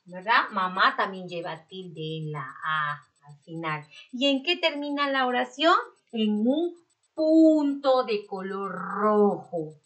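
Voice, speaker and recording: Bright, slow-paced Peruvian woman teacher. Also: medium pitch, lively intonation. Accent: Peruvian Spanish. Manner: slow, sing-song sounding out of syllables for small children. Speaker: preschool teacher. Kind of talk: recorded remote class for young children.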